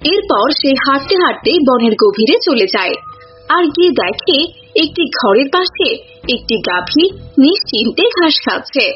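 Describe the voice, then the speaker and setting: A woman with a very high voice narrates a cartoon story. Her delivery is scripted, in storybook style. Music runs underneath, and the recording sounds slightly muffled. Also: big pitch swings, moderate pace. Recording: muffled audio with music bed.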